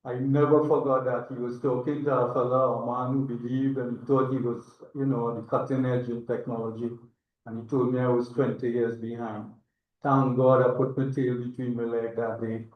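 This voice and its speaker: Older Trinidadian male presenter, mid-pitched, hesitant and reflective, on muffled online-meeting audio. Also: level tone, moderate pace. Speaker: agronomist and institute chairman, presenter. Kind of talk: informal conference presentation. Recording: echoey, distant, dull online-meeting audio.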